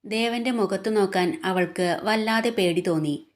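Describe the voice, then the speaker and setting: Woman storyteller, steady reading of a romance serial, mid-pitched. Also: normal speed. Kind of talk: scripted narration.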